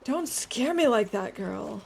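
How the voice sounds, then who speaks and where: A woman's voice: on the high side, expressive, slow, vocal fry, a little mellow, slight background noise. Chatty woman streamer who laughs a lot. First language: English. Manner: chatty, laughs often, reads and answers chat. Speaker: game streamer. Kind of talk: casual chat while playing.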